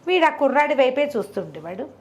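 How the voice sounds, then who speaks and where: High-voiced woman telling folk tales. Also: fast. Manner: animated asides, colloquial, acts out dialogue. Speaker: storyteller. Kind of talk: conversational oral storytelling of a folk moral tale.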